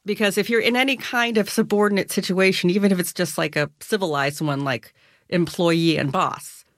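A woman's voice: lowish voice, fairly even intonation, moderate pace, no echo, clean studio sound. A middle-aged woman author answering interview questions in an articulate, conversational way, laughing lightly as she explains. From United States. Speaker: author and guest.

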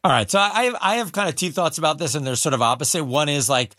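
A man's voice: on the high side, quick pace, bright, forceful tone, dry recording, studio quality. A man, an entertainment reporter, explaining the story in casual chat with emphatic asides.

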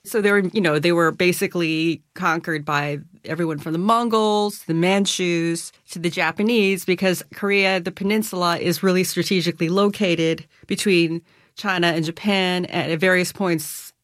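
A woman's voice: fairly low pitch, steady tone, moderate pace, no room sound, clean studio sound. A middle-aged woman author answering interview questions in an articulate, conversational way, laughing lightly as she explains. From United States. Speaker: author and guest.

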